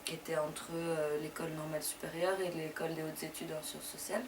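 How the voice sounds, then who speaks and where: A woman's voice: low voice, level tone. A young woman raised in France whose first language is Persian, telling her life story in an interview at a loose, conversational pace. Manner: conversational, loosely paced with frequent pauses. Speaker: deputy mayor interviewee. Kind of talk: interview answers, personal story. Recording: distant mic with clear background noise.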